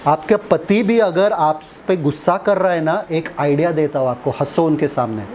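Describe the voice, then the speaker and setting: A man's voice: fairly high pitch, normal speed, very noisy. A man preaching in a casual, conversational style, teasing the audience and asking them questions. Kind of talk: conversational Hindi sermon.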